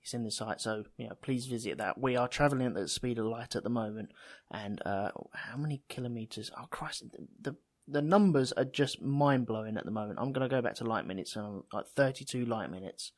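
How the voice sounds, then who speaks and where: A man hosting a casual podcast chat, rambling and mocking himself as he thinks out loud. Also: medium pitch, a little fast. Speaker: podcast host.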